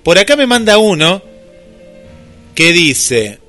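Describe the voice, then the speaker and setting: A man's voice: high-pitched, very animated, slow pace, sharp tone, faint music behind. A man with an Argentine Rioplatense accent hosting casual radio chat, thinking aloud with plenty of fillers. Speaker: radio host.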